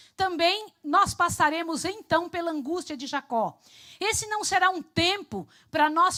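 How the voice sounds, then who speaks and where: The voice is raised and projected, with lively intonation at a moderate pace. The recording is very clean, with a silent background. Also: woman. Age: 60s. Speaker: preacher. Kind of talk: sermon.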